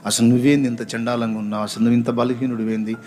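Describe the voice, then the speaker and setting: A man's voice: mid-range voice, flat delivery, fast talker, a little mellow, close to an everyday voice. A preacher voicing a male devil who nags and taunts with contempt. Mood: taunting. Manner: nagging, contemptuous.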